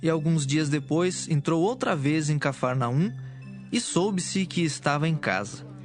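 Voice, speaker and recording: A man's voice: fairly high pitch, expressive, measured pace, soft background music. A man narrating a dramatized audio Bible in a solemn, formal storytelling style.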